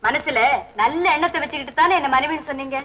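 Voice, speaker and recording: A woman's voice: sits high, fast, muffled recording, lightly acted. A woman playing a sensible, soothing young woman. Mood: coaxing. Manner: patient, coaxing, gently teasing. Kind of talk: 1960s Tamil film acting.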